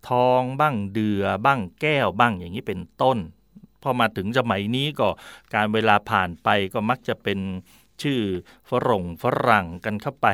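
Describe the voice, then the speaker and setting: A man's voice: fairly low pitch, fairly bright tone, no room sound, studio quality. A man hosting a casual talk on history and language, explaining with examples in a chatty way. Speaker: radio host.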